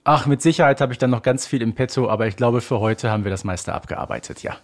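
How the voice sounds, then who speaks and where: A man chats as a podcast co-host in a voice of medium pitch. His delivery is casual and conversational, like a discussion between two regulars. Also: fast talker.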